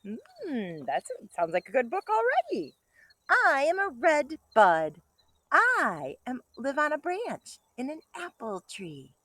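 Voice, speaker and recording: A woman kindergarten teacher reading to young children, enthusiastic and expressive, breaking off for chatty asides and questions to her listeners. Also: high voice, takes it slowly, no room sound. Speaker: kindergarten teacher reading a picture book to pupils.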